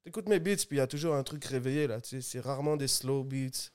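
A man's voice: mid-range voice, fast. Laid-back man from Guadeloupe. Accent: Guadeloupean French. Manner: relaxed, laid-back, mixes English slang. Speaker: guest music producer. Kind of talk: casual podcast chat.

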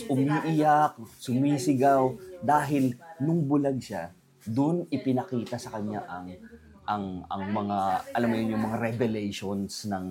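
A man telling a story in casual chat, rambling and animated, quoting voices as he goes. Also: mid-range voice. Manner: rambling, animated retelling with quoted voices and code-switching.

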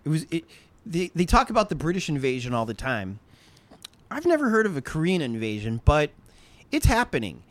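An interviewer host in casual chat, chatty and enthusiastic in manner. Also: a little fast. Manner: chatty, lively intonation with big pitch swings.

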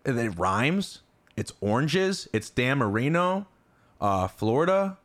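Lively, excitable young man hosting. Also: medium pitch, slow pace. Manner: excitable, swearing, teasing. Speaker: podcast host. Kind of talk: casual comedic chat.

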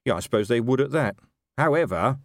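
A man voicing a gruff, weary, sardonic city watch commander in a story, demanding and sceptical. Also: medium pitch, lively intonation, a little fast, no room sound, studio quality, voice pushed up, natural voice. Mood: exasperated.

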